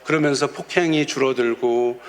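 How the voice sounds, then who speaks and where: A man's voice: medium pitch, moderate pace. A man preaching a sermon as a pastor, telling stories and acting out quotes of kids, chuckling now and then. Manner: storytelling with acted quotes of kids. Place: church sanctuary. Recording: long church reverb.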